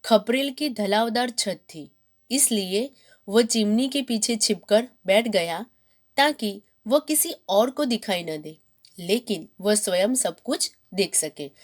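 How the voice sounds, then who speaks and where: A woman teacher reading a children's story from a textbook, then going back over each line to restate it simply. Her voice sits at an ordinary middle pitch, with a steady, explanatory classroom manner. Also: slow. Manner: reads each sentence, then repeats and paraphrases it.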